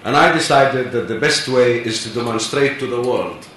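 A man in his seventies from Palestine speaks earnestly and insistently on a conference panel, his medium-pitched voice fairly bright and moving at normal speed. It's an earnest personal speech in a large conference hall. The hall echoes, the mic is distant, and there is faint hiss.

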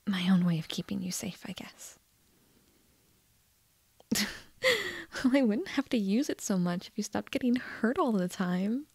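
A woman playing a shy, nervous teenage girl in love with a best friend, in a breathy, hesitant ASMR roleplay whisper. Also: medium pitch, lively intonation, a little mellow, no echo, full character voice. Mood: fond, nostalgic. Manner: hesitant, halting, tender.

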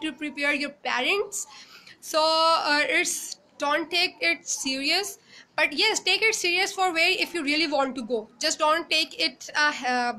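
Quick, bright young Pakistani woman. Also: sits high. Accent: Pakistani English. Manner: mixes English and Urdu, many fillers and restarts. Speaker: former exchange student answering questions. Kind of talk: live Q&A advice session. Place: small indoor room. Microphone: phone camera at arm's length.

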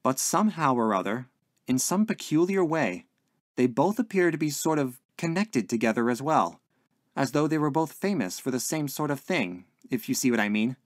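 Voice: medium pitch, lively intonation, normal speed, no echo, studio quality, natural voice. A narrator voicing a polite, earnest young man in a story, hesitant and puzzled as he searches for his words. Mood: hesitant, searching. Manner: hesitant, searching, well-mannered.

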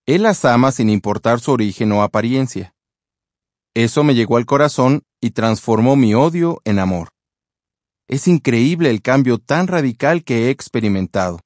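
A man's voice: mid-range voice, expressive, normal speed, a little mellow, no echo. Earnest man from Australia, dry read. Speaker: testimony speaker. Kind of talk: read personal testimony.

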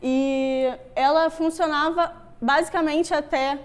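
This meetup speaker, a young Android developer with a Rio de Janeiro Brazilian (carioca) accent, takes it slowly in an informal, conversational tech talk. Her voice sits high with fairly even intonation, and she stands on stage before a screen in a wooden-floored room.

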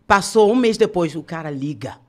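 On a podcast, a singer with a fairly low-pitched voice tells a story at an ordinary pace, relaxed and lively, performing the characters' lines herself and peppering them with slang.

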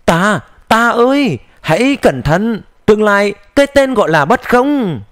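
A man voicing a huge, impatient male dragon in an audiobook, calling out in slow, drawn-out shouts. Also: high-pitched, big pitch swings, no room sound, clean studio sound. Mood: urgent.

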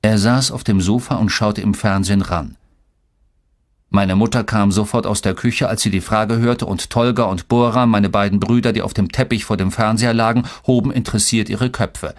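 A man narrating a children's story in a steady, measured way. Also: lowish voice. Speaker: audiobook reader. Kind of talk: scripted narration.

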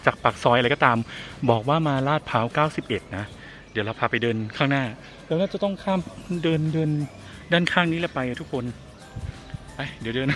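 A man's voice: medium pitch, a bit bright. A man vlogging casually while walking outdoors, chatty and exclaiming as he talks to his viewers. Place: outdoors on a street and in a garden cafe.

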